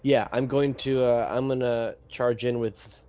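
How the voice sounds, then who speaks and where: A man plays a tabletop game, talking casually and working out his moves aloud. He sounds hesitant, with a mid-range pitch, on a somewhat muffled, lo-fi recording. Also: steady tone, measured pace, a little mellow. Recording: slightly dull, lo-fi voice audio.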